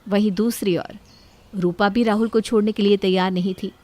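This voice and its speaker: A woman narrating a scripted moral story in an even storytelling manner. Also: medium pitch.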